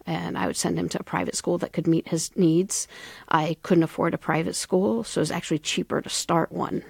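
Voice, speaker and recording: A woman's voice: fairly low pitch, flat delivery, a little fast, gravelly, a little mellow, husky, no room sound, clean studio sound. A woman from the Middle East, a school founder and soccer coach, answering interview questions earnestly with many fillers.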